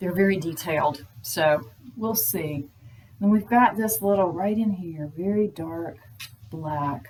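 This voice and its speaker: Mumbling at a fairly slow pace, a woman with a very deep, low pitch makes very wide pitch swings and big swings in loudness. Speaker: hobby painter. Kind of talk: painting tutorial. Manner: casual, relaxed.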